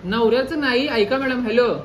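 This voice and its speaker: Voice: mid-range voice, moderate pace. A person, chatting casually as a vlogger and persistently playing a mock-earnest caller in a phone prank. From Solapur, Maharashtra, India. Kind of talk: casual vlog chat and prank phone call. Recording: clearly noisy ambient recording.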